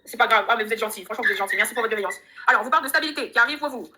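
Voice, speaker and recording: Speaking quickly and straight to her audience, this woman does a live tarot reading from home. She keeps things chatty and cheerful, her voice bright and a bit high.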